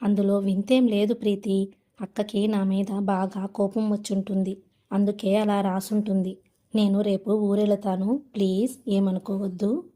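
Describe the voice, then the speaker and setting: A woman voicing a flustered young woman who shouts into a phone and pretends she cannot hear. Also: mid-range voice, flat delivery, unhurried, lightly acted. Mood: calm. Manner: raised, loud, panicky.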